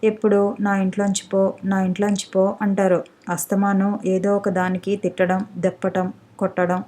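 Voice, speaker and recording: A woman's voice: medium pitch, flat delivery, moderate pace, mellow, close to an everyday voice. A woman reading as a hurt young wife who speaks reproachfully through tears, in a spoken storybook. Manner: reproachful, tearful.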